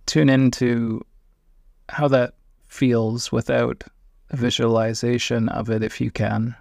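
A man leads a guided meditation at a very slow pace, leaving long gaps between short phrases. His calm voice has plenty of gravelly fry and stays level in pitch. He is heard up close, in a measured, instructional manner. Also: no echo.

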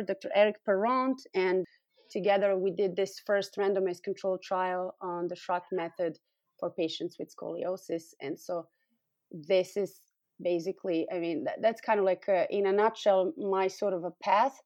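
A woman's voice: medium pitch, steady tone, moderate pace, a little mellow. Serbian accent woman, clinic expert explaining stuff in an interview, medium voice, no room echo. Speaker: guest expert, scoliosis clinic founder and physiotherapist.

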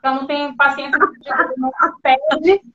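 A woman from Porto Velho talks as the guest of a live-stream interview, chatty, expressive and quick to poke fun at herself. Her voice sits high. The sound is dull and muffled, like a lo-fi line. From Porto Velho, Rondônia, Brazil. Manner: chatty, expressive, self-deprecating. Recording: dull lo-fi audio.

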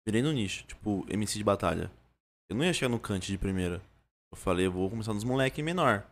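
A man's voice: lowish voice, animated, fast. A young man with a Brazilian Portuguese accent chatting casually as a podcaster, slangy, often repeating phrases and restarting. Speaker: podcaster and streamer.

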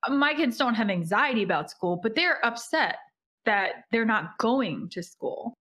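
A woman's voice: on the high side, lively intonation, measured pace, fairly bright tone. A woman in her thirties with young children, speaking candidly and earnestly as a guest in a conversation. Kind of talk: casual conversation.

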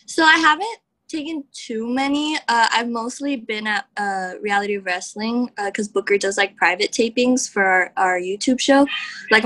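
Young woman from Texas, wrestler guest, chatty and laughing, voice a bit high, lots of "like". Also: a bit bright, low-quality recording. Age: young adult. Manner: chatty, heavy use of "like", laughs often. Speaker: professional wrestler, interview guest. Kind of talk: casual interview answers.

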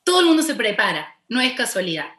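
A woman's voice: fairly high pitch, big pitch swings, quick pace, pushed and bright, roomy sound. A woman with a Córdoba Argentine accent, a former TV host turned content creator, telling her story passionately and emphatically in a casual interview.

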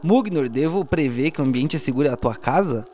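A man's voice: fairly high pitch, expressive, a little fast, dark tone. A man with a Brazilian accent, working as game master and narrating a tabletop RPG audio drama in a theatrical, storytelling way. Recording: music behind the voice. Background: soundtrack music.

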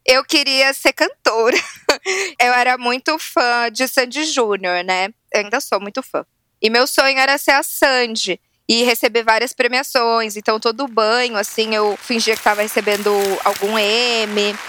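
A woman's voice: fairly high pitch, normal speed, bright, forceful tone, no room sound. A woman in her twenties with a Brazilian Portuguese accent, chatting casually and slangily with friends as a podcast co-host, poking fun at herself. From Brazil, born in Canada. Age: 20s. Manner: informal, slangy, self-mocking. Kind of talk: casual chat among friends.

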